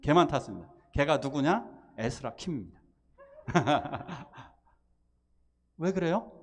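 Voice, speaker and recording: A male pastor preaching a sermon, telling a story with animated delivery and acting out the pleading voices of its characters. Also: on the high side, takes it slowly. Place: church sanctuary.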